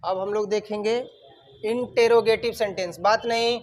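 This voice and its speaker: A man's voice: high voice, steady tone, moderate pace. A male teacher teaching English grammar in a classroom, calling on students and dictating sentences word by word. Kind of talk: classroom lesson. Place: classroom with a whiteboard.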